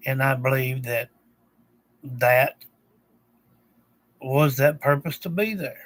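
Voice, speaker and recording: A man with a Southern US accent speaks at a very slow pace in a somewhat breathy voice, with long, frequent pauses. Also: medium pitch for a man, ordinary pitch variation. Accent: country Southern. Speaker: vlogger. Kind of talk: personal monologue to viewers. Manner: halting.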